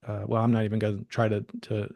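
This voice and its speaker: A man's voice: fairly low pitch, completely flat delivery, fast talker, gravelly, a little mellow, no echo. Casual male webinar host, dry close sound. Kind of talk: casual fireside chat interview.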